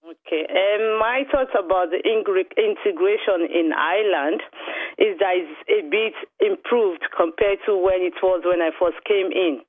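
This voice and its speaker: A woman's voice: on the low side, a little slow, dry recording. A woman from Nigeria with a Nigerian accent, speaking earnestly as a guest on a phone-in radio interview. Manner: earnest, steady, with some restarts. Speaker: radio guest from a community group. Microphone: telephone. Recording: tinny phone line, dry.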